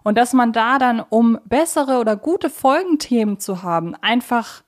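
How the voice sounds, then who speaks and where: A woman's voice: on the high side, expressive, moderate pace. Chatty woman hosting a podcast. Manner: chatty, rambling, self-correcting. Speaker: podcast host. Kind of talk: casual podcast discussion of an audio drama series.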